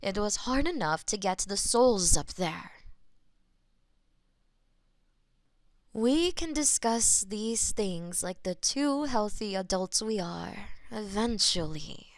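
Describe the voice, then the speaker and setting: Woman voicing a slow, creaky, possessive goddess of death. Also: medium pitch, lively intonation, no room sound. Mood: firm, insistent. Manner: slow, intimate, breathy murmurs slipping into whispers. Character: possessive, lovestruck goddess of death, tender and brooding. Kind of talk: scripted romantic audio roleplay.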